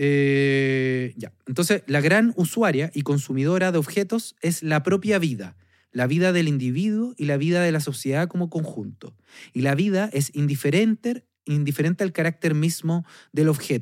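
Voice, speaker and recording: Very cleanly recorded against a silent background, a man speaks at a moderate pace with a fairly high pitch. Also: lively intonation. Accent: Chilean. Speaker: academic and psychoanalyst, podcast co-host. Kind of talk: casual philosophical discussion.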